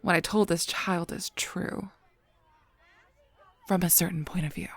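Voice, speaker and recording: A woman playing a gentle, guarded guardian angel in a scripted audio roleplay, speaking softly and breathily in a measured, halting, solemn way. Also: fairly low pitch, steady tone. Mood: guarded, distrustful. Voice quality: soft, breathy, often near a whisper.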